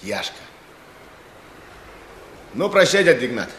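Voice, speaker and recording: Village hunter, terse, lively pitch, hissy old radio recording. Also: male voice, slow, echoey room. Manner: terse, then shouting abuse. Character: village hunter Egor, terse, then enraged. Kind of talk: Soviet radio play acting.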